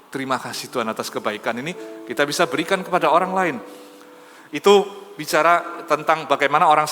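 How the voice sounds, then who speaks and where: A man preaching a sermon as pastor in a conversational, animated storytelling manner. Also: fairly high pitch. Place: church. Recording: reverberant church hall with soft music.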